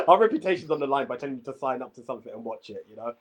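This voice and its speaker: Guy hosting a wrestling chat, kinda husky voice, keeps hammering the point home. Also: mid-range voice, very animated, fast. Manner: emphatic, repeats himself for emphasis. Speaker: wrestling review show host. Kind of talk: casual podcast chat.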